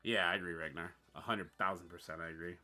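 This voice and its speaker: A man from Newfoundland with a Newfoundland accent, hosting a casual livestream. He reads on-screen text aloud haltingly and chats with his viewers. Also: low voice, fairly even intonation, sharp tone. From Newfoundland, Canada. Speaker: livestream host.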